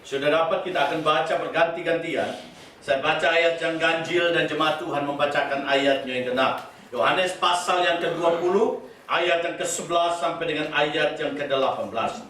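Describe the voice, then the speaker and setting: A male pastor preaching a sermon and reading scripture, deliberate and given to repeating key phrases. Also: fairly high pitch, steady tone, a bit bright, a little hiss or hum. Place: church hall. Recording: very echoey hall, voice from far off.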